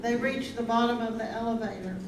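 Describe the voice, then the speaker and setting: A woman's voice: a little high, a little fast, close to an everyday voice. A woman reading as an ensemble narrator in a scripted staged play reading. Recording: roomy distant stage mic, loud noise.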